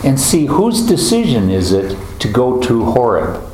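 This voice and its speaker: A man leading a group Bible study, talking in a halting, thoughtful way with many fillers and restarts. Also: medium pitch, huge pitch swings, a little mellow. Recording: roomy echo, faint ambience.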